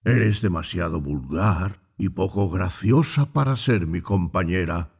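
A man's voice: deep voice, lively intonation, unhurried, vocal fry, a little mellow, husky, heavily acted. A man voicing a haughty male king who speaks coldly and with disdain in a read fable. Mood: disdainful.

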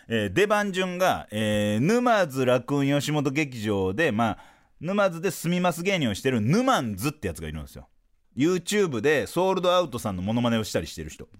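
A man with a Kansai accent, hosting a podcast and telling a comic story with lots of acted-out quotes. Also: medium pitch. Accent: Kansai Japanese. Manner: animated, lively storytelling with voiced-out quotes. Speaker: podcast host, comedian.

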